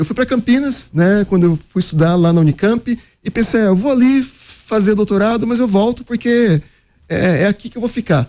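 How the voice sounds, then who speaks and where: A man with a Minas Gerais accent speaks at a moderate pace, his pitch high and its variation ordinary. His tone is dark and mellow. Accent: mineiro. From Minas Gerais, Brazil (Uberlândia, Triângulo Mineiro). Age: 40s. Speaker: university professor, biologist. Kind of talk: radio interview. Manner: hesitant, many fillers and repetitions.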